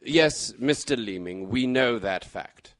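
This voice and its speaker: An actor playing a courteous, shrewd gentleman detective in a radio mystery drama, formal, measured and dryly ironic. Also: mid-range voice, animated, dry recording, clean studio sound. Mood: probing, dry.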